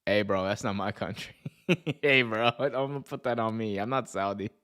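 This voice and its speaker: With a fairly low, smooth and fairly bright voice at a moderate pace, this US livestreamer and wrestling show host chats casually with viewers. He has a North American accent, reacts to their comments in slang and swearing, and frequently bursts out laughing.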